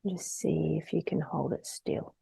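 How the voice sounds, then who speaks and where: A woman leading a guided meditation in a soft, breathy, gentle voice, unhurried and trailing towards a whisper between long pauses. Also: sits low, fairly even intonation, no echo.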